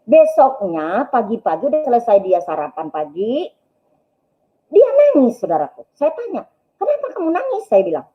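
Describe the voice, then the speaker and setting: A woman tells a church congregation her personal story, slipping into the voices of the people in it and turning to her listeners again and again as brothers and sisters. Her voice comes through thin and tinny, like a phone line. Her pitch sits in the middle of the usual range. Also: wildly swooping pitch, moderate pace, soft background music. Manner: storytelling, acts out dialogue, keeps addressing listeners as brothers and sisters. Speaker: testimony speaker at a church broadcast. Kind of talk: personal testimony told to a congregation.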